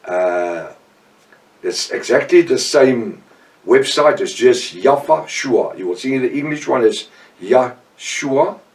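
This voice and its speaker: An older South African man with an Afrikaans accent, giving an informal, earnest Bible teaching with frequent pauses and restarts. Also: mid-range voice, animated, a little mellow, recorded from a distance. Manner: earnest, halting, with many restarts. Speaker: professor and preacher.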